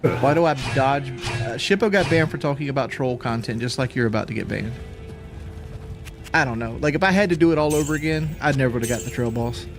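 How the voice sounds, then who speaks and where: A man's voice: medium pitch, a little fast, music in the background. A man chatting casually on a live stream, out of breath after a workout, rambling and repeating himself as he talks.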